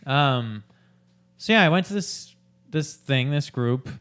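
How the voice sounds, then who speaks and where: A man co-hosting a podcast, chatting casually and hesitantly with many pauses and fillers. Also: mid-range voice, animated, fairly bright tone, smooth. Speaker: podcast co-host. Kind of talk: casual chat.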